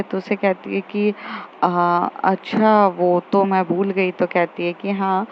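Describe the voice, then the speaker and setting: A woman casually retelling a romance story, narrating the dialogue in a loose, chatty way with many fillers. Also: mid-range voice. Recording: slightly dull lo-fi audio with faint background noise.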